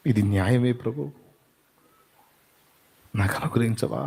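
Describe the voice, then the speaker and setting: A man's voice: mid-range voice, a little slow, darkish tone, long reverb tail. A male preacher giving a devotional sermon, fervently pleading in prayer to God. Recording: clear background music under the voice.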